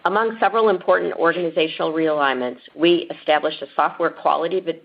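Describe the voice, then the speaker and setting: A woman executive reading a scripted earnings call statement in a formal, measured corporate manner. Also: deep voice, vocal fry. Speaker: company executive. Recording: muffled lo-fi conference call clip.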